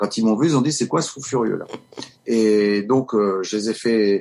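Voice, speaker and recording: His speech comes at a fairly slow rate. The man's voice sits at a medium pitch. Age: 60s. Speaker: stuntman and stunt school founder. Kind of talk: interview storytelling. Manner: hesitant with many fillers.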